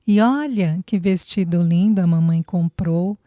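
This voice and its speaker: A woman voicing a small, lively little girl who talks in a childlike, eager, earnest way. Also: on the low side, measured pace, no echo, close to an everyday voice.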